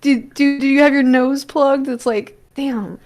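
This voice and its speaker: A woman's voice: high voice, steady tone, measured pace, a little mellow. A woman chatting casually as a livestream guest, with a slangy, encouraging way of talking. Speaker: livestream guest and content creator. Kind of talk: casual chat.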